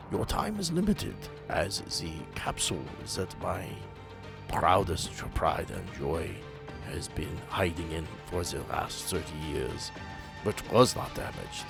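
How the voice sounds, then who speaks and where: A man voicing a menacing mad doctor in a tabletop game, speaking in a measured, formally courteous way. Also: low voice, gravelly, heavily acted. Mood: proud, ominous. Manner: measured, courteous yet threatening.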